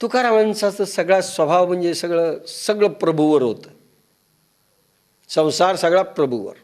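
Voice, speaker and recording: A man with a darkish-toned voice and a measured pace, speaking with a Marathi accent, delivers a devotional discourse. He tells stories and plays out their dialogue in low mutters, as a spiritual discourse speaker.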